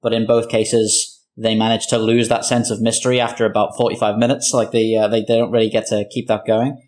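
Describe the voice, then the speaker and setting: A man's voice: fairly low pitch, little pitch movement, a little fast, a little mellow. A man giving his opinions in a roundtable discussion, explaining them in an analytical way. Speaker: show creator on a discussion panel.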